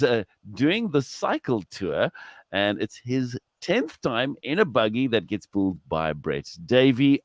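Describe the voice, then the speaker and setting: A man hosting a radio interview, chatty and animated, often laughing. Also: medium pitch, no room sound, studio quality. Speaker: radio host. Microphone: studio microphone.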